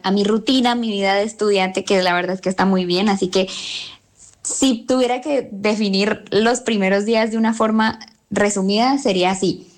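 Young Colombian woman, reflective and hesitant. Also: medium pitch. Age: young adult. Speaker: university student. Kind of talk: recorded interview clip.

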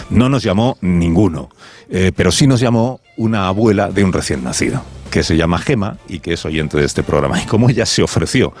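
Deep-voiced male radio host, chatty and teasing, broadcasting live outdoors. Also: a little mellow. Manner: chatty, playful, self-interrupting. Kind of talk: live radio talk and interview. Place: village square outdoors.

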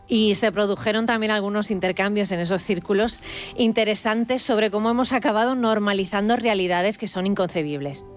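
A woman from delivers a scripted news report. Her voice sits in the middle of the range, and her delivery is measured and clear. Faint music plays underneath. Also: mid-range voice. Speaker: radio reporter.

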